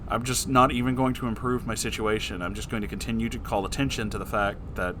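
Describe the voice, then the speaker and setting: A man's voice: lowish voice, steady tone, fast talker, noisy background. A man hosting a casual, rambling advice chat for his audience, speaking in a playful, affectionate, self-deprecating way. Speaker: YouTube host answering listener questions. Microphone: off-camera voice recording at a desk.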